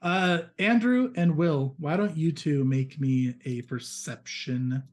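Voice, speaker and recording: A man's voice: a little high, slow. A man narrating a tabletop role-playing game as game master, in a casual, descriptive way.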